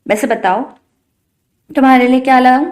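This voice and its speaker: A woman's voice: high-pitched, fairly even intonation, a little mellow, close to an everyday voice. A woman voicing a doting, playful husband with a fond, teasing manner, in a storybook reading.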